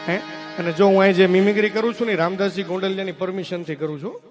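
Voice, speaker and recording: A man telling folk comedy stories on stage, quick and full of acted voices. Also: high voice, fairly even intonation, over music. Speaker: stand-up comedian and mimic. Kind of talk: Gujarati folk comedy storytelling.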